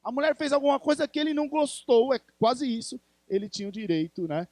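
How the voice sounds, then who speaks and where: A man's voice: very high voice, a little fast, darkish tone, no echo. A male pastor with a Brazilian Portuguese accent, preaching a conversational sermon in church and putting questions to the congregation.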